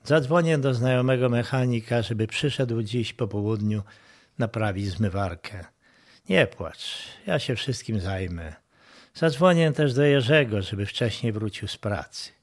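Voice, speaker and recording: A man's voice: medium pitch, lively intonation, a little slow. A man voicing a kind older woman on the phone who soothes and reassures. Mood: soothing.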